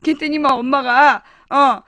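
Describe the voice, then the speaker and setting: Female live-stream host, high bright voice, dry close sound; chatty, blunt, laughs a lot. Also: steady tone, moderate pace, dry recording. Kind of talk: casual live-stream chat reading viewer comments.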